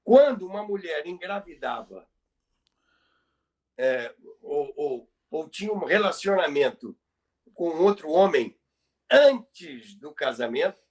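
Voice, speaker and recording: On the high side and animated, this Brazilian-accented man takes his time, pausing often. He's a guest telling stories about radio's past in conversation, stressing points and repeating phrases for effect.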